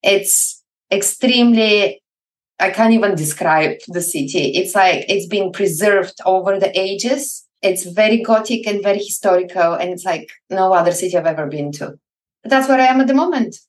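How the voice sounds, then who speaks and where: A woman's voice: medium pitch, normal speed, distant mic. A woman from Bulgaria, speaking enthusiastically as a psychologist guest in an interview. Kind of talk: interview conversation. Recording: echoey room, away from the mic.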